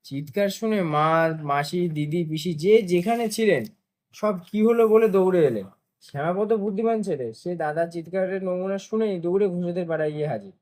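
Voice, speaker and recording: A man reads a children's story aloud in a lively, expressive manner. His voice sits notably high for a man. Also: brisk. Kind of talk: storybook narration.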